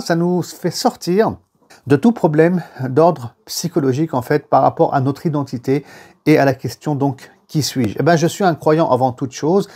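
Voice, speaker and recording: A French-born man giving an animated religious lesson, telling anecdotes and repeating phrases for emphasis. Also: a little high. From France. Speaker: religious teacher. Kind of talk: lively lecture on faith and history.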